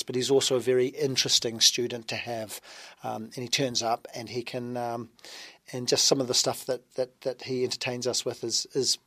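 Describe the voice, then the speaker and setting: A male teacher talking in a relaxed interview, with a mid-pitched voice. He explains thoughtfully and often stops to fill pauses. The sound is close and dry. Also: no room sound. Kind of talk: conversational interview.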